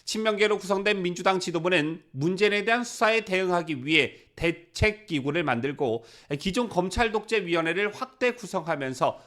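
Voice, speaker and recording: A man presenting political news commentary, his voice sitting fairly high and swinging widely in pitch. He keeps turning to the viewers with rhetorical questions. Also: fairly bright tone.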